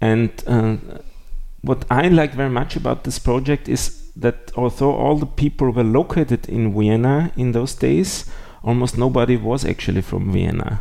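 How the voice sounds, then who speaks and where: With a German accent, a man speaks in a dark, mellow tone with ordinary pitch variation. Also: medium pitch for a man, moderate pace. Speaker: podcast host. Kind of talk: casual interview chat.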